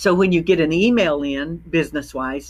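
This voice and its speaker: A woman with a strong Southern US accent, very deep and low in pitch, at a fairly slow pace with ordinary pitch variation, on a very clean recording with a silent background. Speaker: minister and success coach. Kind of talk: class on mindfulness. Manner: casual, hesitant with fillers.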